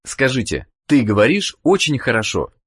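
A man narrating a language course, giving the listener clear prompts and questions to answer. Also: medium pitch, sing-song, moderate pace. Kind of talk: scripted instructional narration.

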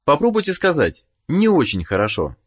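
A man narrating a language course, giving the listener clear prompts and questions to answer. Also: on the high side, wildly swooping pitch, normal speed. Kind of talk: scripted instructional narration.

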